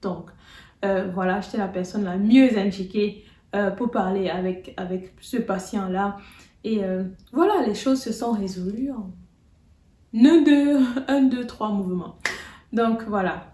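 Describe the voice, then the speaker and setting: A woman's voice: medium pitch, unhurried, dark tone. A young adult woman giving casual advice in a vlog, chatty and full of fillers and restarts. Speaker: video blogger. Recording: roomy, distant from the mic.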